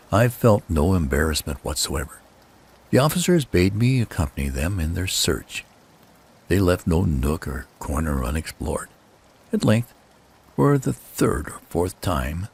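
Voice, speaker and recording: A man narrating a gothic horror tale as a dramatic audiobook, in a measured, theatrical and formal manner. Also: deep voice, vocal fry, husky. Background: steady ambient noise, rain per title.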